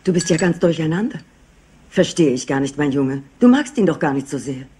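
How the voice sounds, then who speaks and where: An actress playing a worried, wealthy aunt in a German crime radio play, with a husky voice. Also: female voice, deep voice, lively intonation, a little fast, dark tone, exaggerated voice. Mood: anxious.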